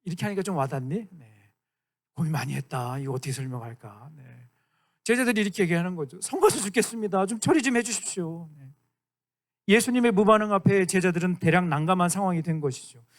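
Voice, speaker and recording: A man in his thirties, a youth pastor giving a lively sermon to high school students and often asking them to agree. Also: fast. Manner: animated, keeps asking the room for agreement; acts out quoted lines in dramatic voices.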